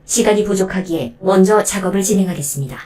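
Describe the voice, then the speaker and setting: Mellow, composed female android, played by an actress. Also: medium pitch, natural voice. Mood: calm, formal. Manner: formal, measured, unemotional. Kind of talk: Korean audio drama acting.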